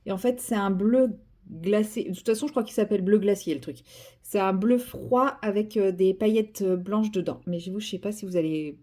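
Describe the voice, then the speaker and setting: A woman's voice: medium pitch, normal speed, dark tone. A young woman chatting casually about her coloring project, rambling with many fillers and restarts and poking fun at herself. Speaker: coloring vlogger. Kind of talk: casual chat while coloring.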